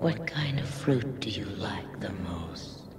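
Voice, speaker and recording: Using a cartoonish character voice, a man talks at a medium pitch and a fairly slow pace, with clear echo and loud background noise. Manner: calm, detached.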